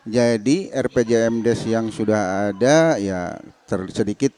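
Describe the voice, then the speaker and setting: Mellow, low-voiced middle-aged man. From Kuningan, West Java. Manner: halting, repeats phrases, says "Pak" often. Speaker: village head, guest. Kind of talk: talk show answers.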